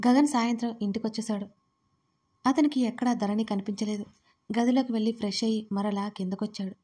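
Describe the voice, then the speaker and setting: Mellow-voiced woman narrating an audio story. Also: fairly quick. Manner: reads every part herself, louder and higher in the characters' lines.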